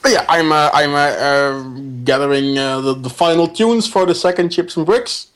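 A man's voice: fairly high pitch, moderate pace. A man co-hosting a casual radio show, full of stammered restarts and easy laughter. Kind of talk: casual chat.

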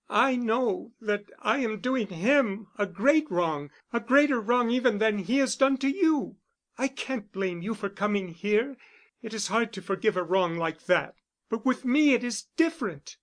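A man's voice: expressive, measured pace, fairly bright tone, exaggerated voice. A man putting on an anguished young wife. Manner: pleading, earnest, rising in pitch. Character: young woman, anguished wife torn by duty. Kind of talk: audiobook character voice.

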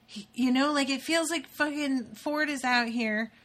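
A woman's voice: high voice, unhurried, fairly bright tone. A woman co-hosting a podcast in casual chat, speaking candidly and swearing freely. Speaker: podcast co-host.

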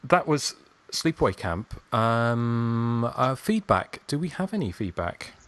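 A man's voice: mid-range voice, big pitch swings, slow, background noise. A man hosting a podcast in a casual, chatty way. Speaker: podcast host. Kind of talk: casual chat.

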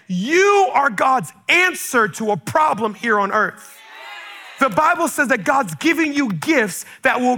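A man raised in the Caribbean, preaching a sermon to a congregation in church, fervent, with bursts of shouting and quick stammered repeats of words. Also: very high voice, rough recording. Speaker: pastor. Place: church sanctuary with a live congregation.

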